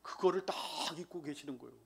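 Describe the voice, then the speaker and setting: At a church service, a sixty-something lay deacon from Seoul shares a humorous testimony, speaking quickly in a fairly high, gravelly, slightly rough voice. He brings the tale alive by acting out quoted voices.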